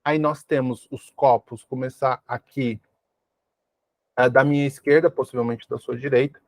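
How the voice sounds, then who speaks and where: A man from Brazil giving a video English lesson, repeating each word slowly and checking in with "ok?". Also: mid-range voice, fairly even intonation, darkish tone, dry recording. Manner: repeats words slowly for practice, frequent "ok?". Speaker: English teacher.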